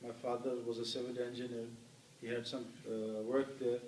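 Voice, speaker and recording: A middle-aged man from Pakistan, an interview guest and former cricketer, telling stories warmly with many fillers. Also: mid-range voice, flat delivery, normal speed, a little hiss or hum. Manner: warm anecdotal telling with many "you know" fillers. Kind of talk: storytelling in an interview. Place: hall with an audience. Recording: roomy hall, voice picked up from a distance.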